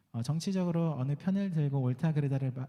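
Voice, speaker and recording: The voice is somewhat breathy, with a dark, mellow tone. Its pitch varies in an ordinary way. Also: man. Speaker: pastor. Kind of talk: church announcements.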